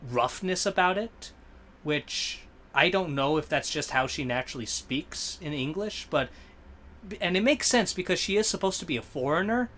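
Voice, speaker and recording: A man's voice: fairly high pitch, a bit bright. A man co-hosting a podcast in casual chat, rambling and correcting himself as he gives his opinions. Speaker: podcast co-host.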